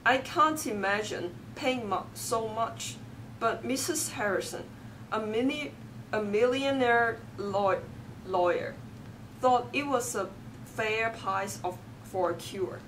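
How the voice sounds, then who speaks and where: Slow, halting Hong Kong woman. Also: a little high, a bit bright, a little hiss or hum, poor audio. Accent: Hong Kong English. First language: Cantonese. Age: 20s. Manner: halting, frequent self-corrections and fillers. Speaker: interviewee reading a passage. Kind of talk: read-aloud passage, then casual interview.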